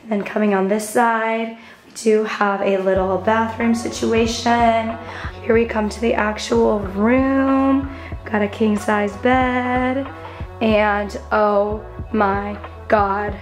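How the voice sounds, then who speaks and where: A woman in her twenties, talking casually to a handheld camera in a hotel room, bubbly and chatty, her voice hoarse and nearly gone. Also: on the high side, fairly even intonation, takes it slowly, soft background music. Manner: bubbly, chatty, addresses viewers as besties. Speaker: vlogger. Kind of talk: casual vlog chat to camera. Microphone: camera held at arm's length.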